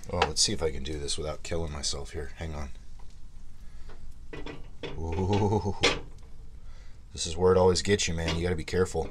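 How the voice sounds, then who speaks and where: A man at a fairly quick pace amid loud background noise. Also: ordinary pitch variation. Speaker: boat owner vlogger. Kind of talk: casual vlog chat. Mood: relaxed, joking. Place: boat. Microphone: phone near.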